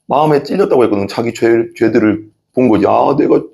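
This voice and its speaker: A man's voice: mid-range voice, fast talker, mellow. A male pastor preaching a sermon in a church, telling stories in an earnest, conversational way with emphatic repetition.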